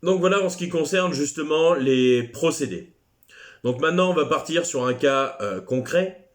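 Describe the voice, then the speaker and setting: A man's voice: fairly high pitch, animated, normal speed. A man teaching a recorded French class lesson, chatty and digressive, with self-deprecating asides.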